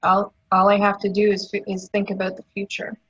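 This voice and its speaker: A woman in a tapping session who repeats affirmations and then describes her feelings in a soft, hesitant way. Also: medium pitch, completely flat delivery, a little fast, slightly rough, dull audio.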